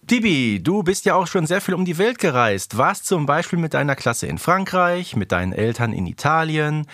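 Male podcast co-host, animated melody, dry close sound, casual interviewer. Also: fairly high pitch, moderate pace, dry recording. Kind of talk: casual conversational fan podcast.

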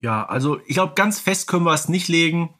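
A man's voice: a little high, lively intonation, a little fast, sharp tone. A man from North Rhine-Westphalia with pronunciation co-hosts a casual podcast, musing and explaining as he goes. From North Rhine-Westphalia, Germany. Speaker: podcast co-host.

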